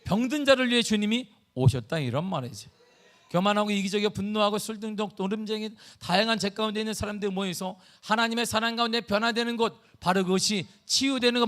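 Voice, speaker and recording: A middle-aged pastor with a high voice preaches a sermon, telling a story that swings suddenly between loud bursts and hushed asides.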